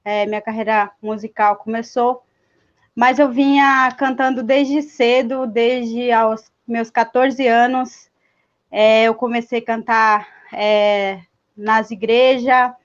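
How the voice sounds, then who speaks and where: Slow, hesitant young woman rapper. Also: fairly high pitch. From Mato Grosso do Sul, Brazil. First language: Guarani. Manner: slow and hesitant, many fillers. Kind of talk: live stream talk. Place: indoors, seated. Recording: dull lo-fi sound.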